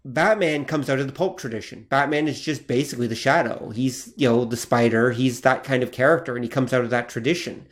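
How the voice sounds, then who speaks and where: A man co-hosting a podcast talks things through at a relaxed pace, thinking out loud with plenty of ums and restarts. His voice sits at an ordinary middle pitch, and he builds his points patiently. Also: brisk, few pauses. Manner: thoughtful, explains at length with many fillers. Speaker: podcast co-host. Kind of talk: casual chat about comic history.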